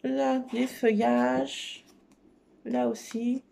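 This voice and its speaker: Speaking extremely slowly with a flat delivery, a woman whose voice is on the high side, gravelly and mellow shows off scrapbooking paper. Despite that, she sounds enthusiastic, with many fillers and repeated "trop beau." There is a little hiss or hum.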